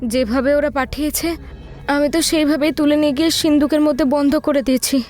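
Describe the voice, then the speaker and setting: একজন মহিলা অডিও ভূতের গল্পে কনের উদ্বিগ্ন, বিনীত মায়ের ভূমিকায় কাতর ভঙ্গিতে কথা বলছেন।. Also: female voice, high voice, steady tone, fast, a little mellow, lightly acted. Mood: defensive, flustered. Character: anxious, deferential village mother of a bride. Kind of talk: audio horror story dialogue.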